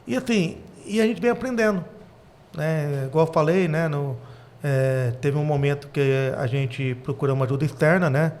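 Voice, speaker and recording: Middle-aged man, relaxed storyteller. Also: a little high, moderate pace. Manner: relaxed storytelling, laughs while telling anecdotes. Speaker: father and business owner, guest. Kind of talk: casual interview talk.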